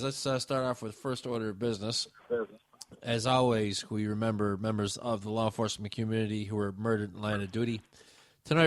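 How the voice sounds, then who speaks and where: Male talk show host: dry and close, wry and rambling, mid-range pitch. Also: no room sound. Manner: rambling and wry, many filler uhs. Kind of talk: casual radio talk.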